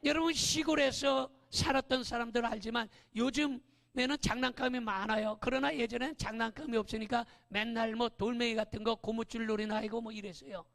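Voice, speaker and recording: A male pastor gives a lively sermon in a church sanctuary, often shouting and prodding the congregation with quick "eh?" questions. His very high-pitched voice is creaky and animated, and the recording has long church-hall reverb.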